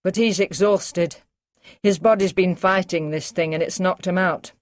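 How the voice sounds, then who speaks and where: A woman voicing a calm, cautious male doctor in an audiobook, speaking in a measured way. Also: on the low side, no room sound, natural voice. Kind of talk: audiobook character reading.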